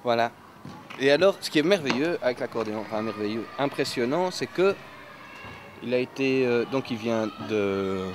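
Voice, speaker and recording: A man's voice: medium pitch, noisy background. A man who plays the accordion, explaining to an audience how the instrument works in a chatty, hands-on way and often ending his sentences with "hein". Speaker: accordion player teaching an audience. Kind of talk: lively hands-on demonstration. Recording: accordion music heard behind.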